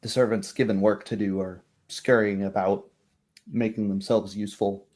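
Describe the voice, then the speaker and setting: A man's voice: fairly low pitch, flat delivery, normal speed, a little mellow. A man narrating a tabletop roleplaying game as the game master.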